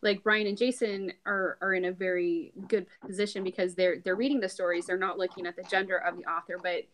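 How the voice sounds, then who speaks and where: A woman's voice: on the low side, flat delivery, brisk, a little hiss or hum. A woman speaking earnestly and emphatically in a casual podcast discussion.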